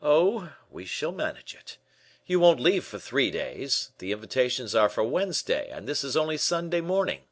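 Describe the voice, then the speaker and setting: A man's voice: mid-range voice, wildly swooping pitch, voice pushed up. A man doing a shrewd, wry friend. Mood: reassuring. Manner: wry, reassuring, measured. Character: shrewd, calm middle-aged male friend. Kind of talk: audiobook character voice.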